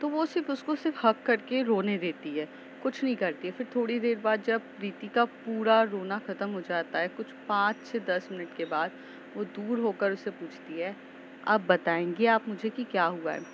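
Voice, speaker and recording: A woman's voice: medium pitch, moderate pace. Young woman telling a story conversationally. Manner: conversational, with frequent fillers and restarts. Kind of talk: casual storytelling narration. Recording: slightly dull recording with faint traffic noise.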